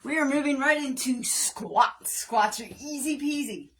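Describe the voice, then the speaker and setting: A woman's voice: high-pitched, unhurried, a bit bright, slight background noise. A woman leading a live workout as an encouraging aerobics instructor, chatting to viewers, cueing moves and counting down. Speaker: fitness livestream host and aerobics instructor.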